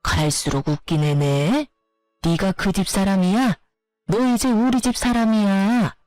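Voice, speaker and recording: A woman's voice: mid-range voice, measured pace, a little mellow, dry recording, soft background music, lightly acted. A woman voicing a contemptuous middle-aged mother-in-law who berates and insults her daughter-in-law. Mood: scornful.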